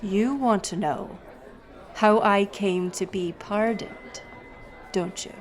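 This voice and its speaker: A woman's voice: medium pitch, slow, some chatter behind, close to an everyday voice. A woman playing a bold, sly pirate captain in an audio roleplay, teasing and swaggering as she speaks to the listener. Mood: boastful, intrigued. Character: bold, sly female pirate captain, a notorious tavern storyteller.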